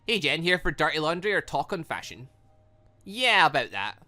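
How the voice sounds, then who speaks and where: Animated man doing let's play commentary. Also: a little high, moderate pace. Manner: excitable, animated, thinking aloud. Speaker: gaming channel host. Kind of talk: let's play commentary, reading game dialogue aloud.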